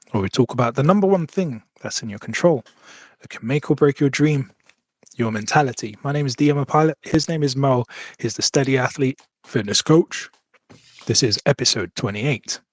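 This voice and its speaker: A man's voice: medium pitch, brisk, no room sound. A man hosting a casual podcast in an upbeat, easygoing way. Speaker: podcast host. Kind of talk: casual chat.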